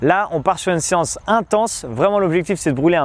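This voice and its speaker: With lively intonation and a fairly quick pace, a man's voice comes across dry, with no echo. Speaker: fitness coach. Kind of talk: workout instruction. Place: open country.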